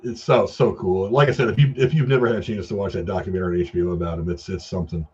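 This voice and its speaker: A man's voice: low-pitched, steady tone, very fast, darkish tone, breathy edge, muffled recording. A man co-hosting a casual film chat, telling rambling anecdotes in slangy, profane language. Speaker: podcast co-host.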